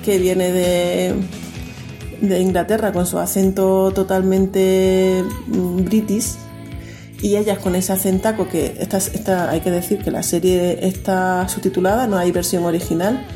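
A woman's voice: on the low side, level tone, unhurried, mellow, faint music behind. A woman host in casual radio chat, talking about a TV series in a chatty way, laughing easily and often restarting her sentences.

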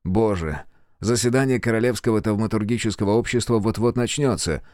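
A man reading a courteous, brisk gentleman scholar of magic in his own low voice. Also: no room sound, clean studio sound, natural voice.

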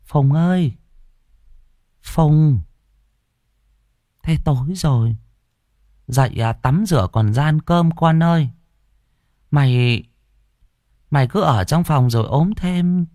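A man's voice: medium pitch, animated, normal speed, no room sound, studio quality, pitched above the performer's own voice, lightly acted. A man voicing a fretful, scolding middle-aged mother in a spoken horror story. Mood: coaxing. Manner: nagging, sharp-tongued.

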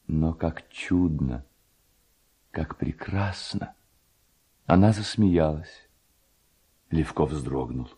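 A man narrates a literary tale in a deep, dark voice. His delivery is very unhurried and lyrical, with a hushed, dramatic sense of storytelling. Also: animated, husky.

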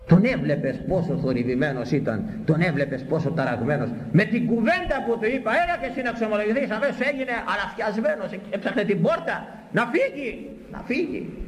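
A man preaching a sermon, repeating words for emphasis and swinging between high exclamations and low, grave phrases. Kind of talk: sermon on a Bible passage. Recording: echoey hall, faint background noise.

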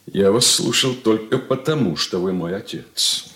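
An actor playing a proud, bitter young merchant son in a radio drama, speaking in a clipped, indignant way. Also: male voice, lowish voice, unhurried, slight background noise. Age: young adult. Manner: clipped, indignant, lively delivery. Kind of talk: 1980s studio radio drama acting. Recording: roomy studio echo.

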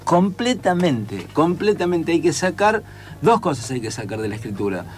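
A man's voice: a little high, big pitch swings, normal speed. A man with a Rioplatense Spanish accent, a writer and teacher in casual conversation, who sings out rhythms to explain his points.

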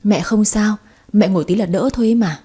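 Woman playing shaken mother, halting, mellow husky. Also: mid-range voice, natural voice. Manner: halting, strained. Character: middle-aged mother, shaken and faltering.

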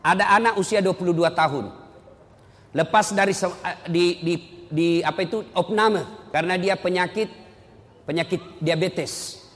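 A male Islamic preacher giving a lively sermon full of stories, swinging between loud emphatic rises and low, quiet drops. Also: moderate pace. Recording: long hall reverb.

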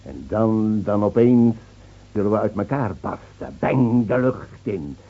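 A man's voice: lowish voice, expressive, measured pace, creaky, full character voice. A man acting a bitter, mocking villager in a theatrical radio drama, sardonic and swelling with emphasis. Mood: bitter mockery. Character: bitter, mocking villager taunting others about hell and rain. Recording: muffled, noisy old radio play recording.

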